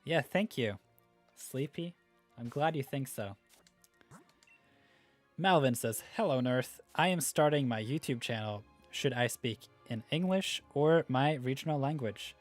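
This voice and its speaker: A man's voice: medium pitch, unhurried, soft background music. Laid-back Norwegian-accented male streamer. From Norway. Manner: laid-back, rambling, many fillers. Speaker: livestream host. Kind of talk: casual live-stream chat reading viewer comments.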